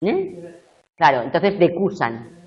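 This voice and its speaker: In a gravelly, fairly low voice whose pitch swoops wildly, a middle-aged woman lectures slowly during a live video university tutorial. She goes step by step and often checks on her students. It's a muffled lo-fi recording from the classroom.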